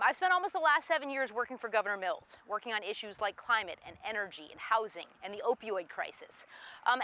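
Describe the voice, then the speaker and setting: A middle-aged woman from Maine speaking earnestly as a political candidate in an interview, often pausing with "um". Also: a little high, sharp tone. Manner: earnest, frequent "um" fillers. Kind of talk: recorded campaign interview.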